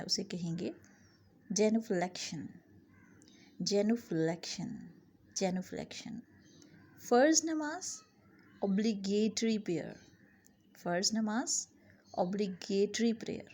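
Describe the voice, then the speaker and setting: A woman teaching English vocabulary, saying each word pair twice and the English words slowly. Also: mid-range voice, animated, dark tone, slightly rough. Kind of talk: vocabulary lesson.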